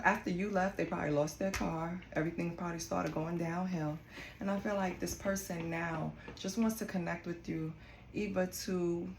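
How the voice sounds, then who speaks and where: A woman from Costa Rica talks straight to her viewers through a tarot reading, blunt and chatty and swearing freely. Her voice sits low with a gravelly, fried edge. The sound bounces around an echoey room, with steady noise underneath. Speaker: tarot reader. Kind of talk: casual tarot reading to camera.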